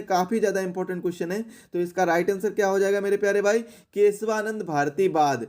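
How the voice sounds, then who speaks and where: A man's voice: high-pitched, darkish tone. A man teaching an exam question-and-answer lesson in a didactic way, repeating key phrases for emphasis.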